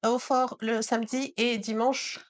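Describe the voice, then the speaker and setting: A woman's voice: fairly high pitch, little pitch movement, unhurried. A woman whose first language is not French co-hosts a casual board game review chat, with a hesitant, playful manner full of fillers. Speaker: co-host.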